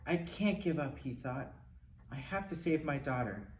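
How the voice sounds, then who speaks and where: A man reading a children's picture book aloud as a storytime host, in an expressive, dramatic manner with asides to the listeners. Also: mid-range voice, moderate pace. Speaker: library storytime reader. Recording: roomy, distant mic, faint noise.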